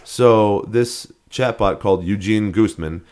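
A man co-hosting a podcast speaks slowly in a lowish, slightly mellow voice. The chat is casual and rambling, full of restarts and fillers, and he laughs at odd names.

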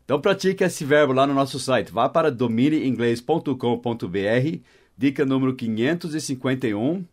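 A man's voice: medium pitch, expressive, fairly quick. A man hosting a short podcast lesson, explaining English words in casual Portuguese, spelling them out letter by letter and often checking in with "tá?" and "né?". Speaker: English teacher and podcast host.

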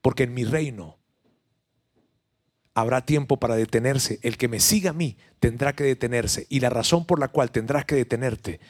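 A preacher voicing a calm, solemn male teacher who speaks slowly and gravely. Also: medium pitch, voice pushed down, natural voice. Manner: slow, grave, hushed.

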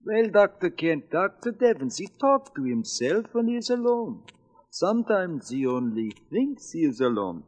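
On an old 1940s radio show recording, an actor plays a shifty foreign handyman turned blackmailer, speaking halting broken English in a menacing mood. His voice sits high with a sing-song quality, and the dull broadcast carries long reverb.

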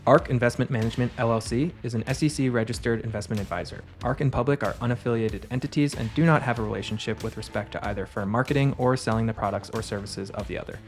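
Man reading a fast legal disclaimer. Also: mid-range voice, soft background music. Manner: rapid, formal read-out. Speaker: disclaimer announcer.

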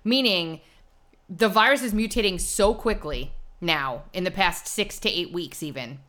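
Casting: female talk co-host, forceful and clear-cut tone, slightly low, informal explainer. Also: measured pace. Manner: informal, explanatory, laughs easily. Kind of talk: casual live commentary, reading aloud.

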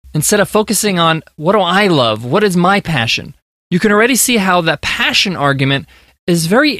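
A man's voice: high voice, fairly bright tone, no room sound, clean studio sound. Upbeat American man giving business advice. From United States. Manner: earnest, emphatic, motivational. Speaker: podcast host.

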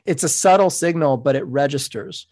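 A man who grew up in New York with Spanish as his first language, speaking as an author and guest in a podcast interview, measured and reflective. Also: fairly high pitch, a little mellow. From United States.

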